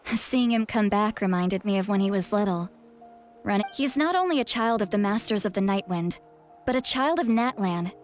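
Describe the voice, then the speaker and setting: A woman's voice: medium pitch, expressive, normal speed, faint music behind, close to an everyday voice. A woman voicing a confident, playful female tribal elder and mentor in a video game. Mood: rueful.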